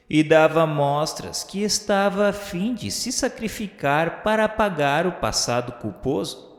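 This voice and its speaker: A man with a Brazilian accent reads a literary radio novel as narrator, in a solemn, formal, measured and earnest way. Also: mid-range voice. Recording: echoey hall-like reverb under music. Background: background music.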